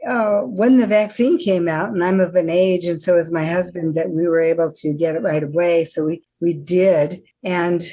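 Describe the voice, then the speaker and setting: A woman's voice: fairly low pitch, normal speed, hardly any pauses. Older New woman, chatty storyteller. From New York. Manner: chatty, animated storyteller who laughs often. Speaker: guest actor. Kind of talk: radio interview chat.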